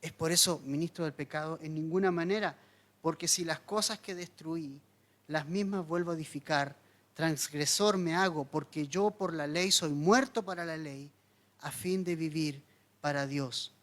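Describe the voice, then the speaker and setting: A man preaching a sermon as pastor, telling the story dramatically with wide swings between loud emphasis and hushed lines. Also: fairly high pitch, moderate pace. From Chile.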